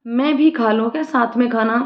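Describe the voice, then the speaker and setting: Woman doing a young man, playful, lovesick, coaxing, slightly high, echoey lo-fi sound. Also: moderate pace, natural voice. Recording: roomy lo-fi room sound.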